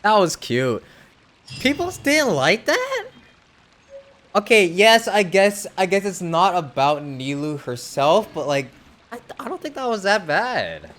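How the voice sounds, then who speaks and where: A man's voice: high-pitched, big pitch swings, unhurried, a bit bright. A young man casually commenting on a game story during a live stream, rambling with hedges and the odd swear word.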